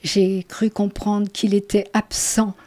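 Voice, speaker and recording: A woman's voice: mid-range voice, flat delivery, slow, dry recording. A woman interviewing an author about his novel and reading passages aloud. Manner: reads quotations aloud, warm praise. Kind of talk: literary interview.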